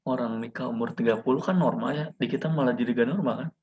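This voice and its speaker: Husky, relaxed man musing in chat. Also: medium pitch, fast talker. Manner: relaxed, reflective, slangy. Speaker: podcast guest. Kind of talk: casual chat. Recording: dull lo-fi sound.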